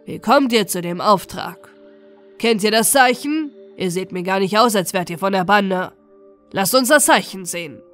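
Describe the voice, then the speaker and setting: A woman voicing a boisterous, commanding male robber captain in a storybook reading, hearty and loud. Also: medium pitch, animated, moderate pace, faint music behind, close to an everyday voice. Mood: suspicious, stern. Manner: loud, jovial, commanding exclamations. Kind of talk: storybook character voice in an audiobook.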